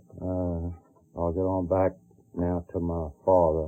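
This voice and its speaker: A man's very deep, low voice with an American accent, monotone and flat, over music in the background. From Washington, D.C. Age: 60s. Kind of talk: oral history reminiscence. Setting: home tape recording.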